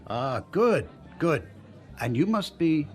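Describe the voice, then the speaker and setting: An echoey room carries a smooth, pompous male senator in an audio drama. He speaks formally and grandly, as a practiced politician does, with music in the background. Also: on the high side, big pitch swings, slow pace, a little mellow. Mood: smug charm. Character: smooth self-important male senator courting donors. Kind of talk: full-cast audio drama acting, speechmaking. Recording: echoey hall reverb, music behind.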